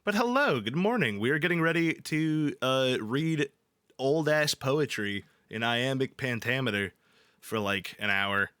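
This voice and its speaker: A man's voice: medium pitch, lively intonation, a little slow, sharp tone, clear, resonant tone, no room sound, studio quality. A playful, irreverent man hosting a livestream, moving between casual chat and reading aloud. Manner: playful, irreverent, profane, jokey. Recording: background music under the voice. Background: ambient background music.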